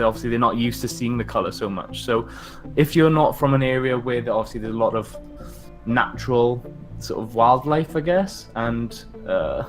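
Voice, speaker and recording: A man from South Wales with a valleys accent, chatting casually as a podcast guest and often chuckling as he talks. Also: medium pitch. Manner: chuckles often while talking. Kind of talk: casual chat.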